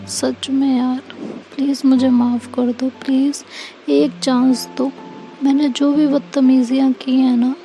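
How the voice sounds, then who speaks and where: A woman's voice: high voice, little pitch movement, slow, dark tone, faint music behind, low-quality recording. A woman voicing a young woman in love who teases, blushes and pleads, mixing English phrases into her speech. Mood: pleading. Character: young woman, teasing and shy lover, later apologetic.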